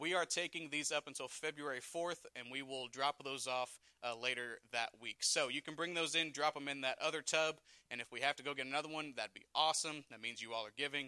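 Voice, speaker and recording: This man has a Southern US accent and a fairly high pitch with a bright, sharp tone. He talks at a fairly quick pace with fairly even intonation, and the sound is dry and close with no echo. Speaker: church announcer. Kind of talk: announcements. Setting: church.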